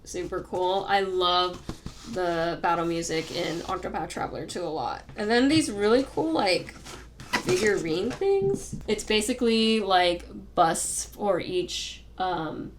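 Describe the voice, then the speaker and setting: A young woman vlogging casually to camera, soft-spoken and chatty, her voice worn and fading from talking all day. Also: lowish voice, lively intonation, measured pace, slight background noise. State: tired, fading voice. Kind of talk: casual vlog talk.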